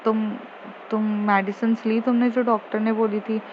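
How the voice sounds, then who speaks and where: A caring young tutor with a fairly high voice fusses, scolds and gently coaxes, as a woman storyteller reads her lines. The recording sounds a little dull, with a faint hiss underneath. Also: flat delivery, moderate pace, close to an everyday voice. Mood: scolding. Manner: fussing, scolding, then gently coaxing.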